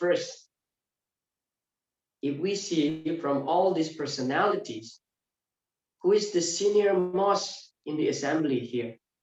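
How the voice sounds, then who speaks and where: The speaker has an Indonesian accent and ordinary pitch variation. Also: man. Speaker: religious teacher. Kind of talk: lecture.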